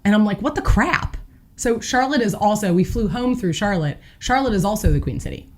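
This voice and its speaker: A woman, co-hosting a podcast, her voice hoarse, telling stories in a chatty way with lots of fillers. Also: medium pitch, animated, a little fast. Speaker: podcast co-host. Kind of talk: casual chat.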